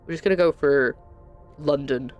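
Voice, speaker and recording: Soft background music and lo-fi sound accompany a young Scottish woman casually chatting as she streams a puzzle game. Her voice is low-pitched with a darkish tone at normal speed, and she rambles, breaking off mid-thought again and again.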